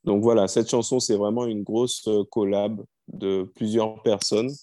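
Mellow low-voiced man, easygoing. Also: little pitch movement, measured pace, no room sound. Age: 30s. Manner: storytelling, easygoing, frequent fillers. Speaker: singer-songwriter guest. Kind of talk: relaxed interview talk.

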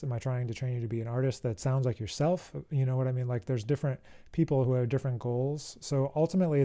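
Laid-back thirties male jazz trombonist, warm dark low-key voice, rambling casual Q&A delivery from home. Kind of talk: casual livestream Q&A. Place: home room.

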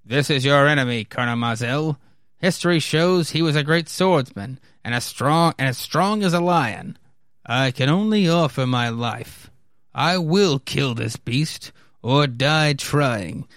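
A man's voice: mid-range voice, expressive, unhurried, a bit bright, no room sound, studio quality. A man voicing earnest, commanding military officers in stiff, declamatory read-aloud story dialogue. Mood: solemn, resolute.

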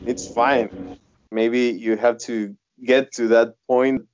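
A male guest musician talks casually in a halting, loosely phrased way. The sound is dry and a little dull and lo-fi. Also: medium pitch, steady tone, darkish tone, no room sound. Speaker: guest horror punk musician. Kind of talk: casual chat.

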